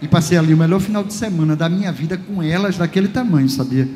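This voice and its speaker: Brazilian man telling a lively church testimony. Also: fairly high pitch, fast. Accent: Brazilian Portuguese. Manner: lively storytelling, acts out dialogue, chuckles often. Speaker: pastor giving a testimony. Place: large church hall. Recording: reverberant church hall, faint ambience.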